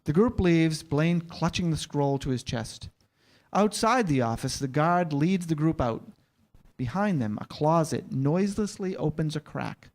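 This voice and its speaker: Higher-pitched man narrating a screenplay. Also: animated, a little slow, darkish tone. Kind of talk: reading screenplay stage directions.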